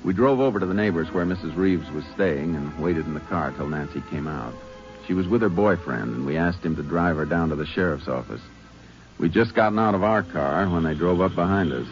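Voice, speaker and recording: A man acting as a calm, methodical Texas Ranger in a 1950s American radio drama, speaking in a measured, matter-of-fact way. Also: low-pitched. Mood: measured narration. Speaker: lead actor and narrator. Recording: dull old radio recording, faint music.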